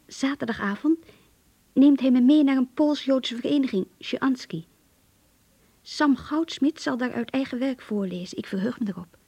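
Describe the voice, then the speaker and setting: A woman's voice: high voice, moderate pace, mellow, slightly rough. An actress playing an eager, curious young Jewish secretary who reads her diary in a Dutch radio play. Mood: eager, confiding. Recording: dull, muffled old radio recording.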